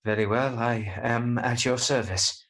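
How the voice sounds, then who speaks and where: A man acts a young gentleman trapped in a castle for a radio play. His voice is mid-pitched, earnest and polite, with a steady unease as he talks and narrates his diary. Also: measured pace, close to an everyday voice, poor audio. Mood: polite, reluctant.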